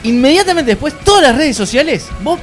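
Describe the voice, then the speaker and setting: A man jokes on a radio talk show in a high, lively voice that leaps up and down. He mocks and exaggerates in casual banter. Faint music sits underneath. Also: brisk. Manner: mocking, exaggerated. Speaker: radio co-host.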